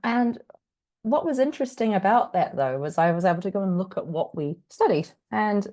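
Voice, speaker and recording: Husky, croaky woman leading a workshop. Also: mid-range voice, animated, normal speed, darkish tone. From New Zealand. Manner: chatty, self-deprecating, many fillers. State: croaky, recovering from illness. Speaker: workshop presenter. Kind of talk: casual online workshop talk. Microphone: video call.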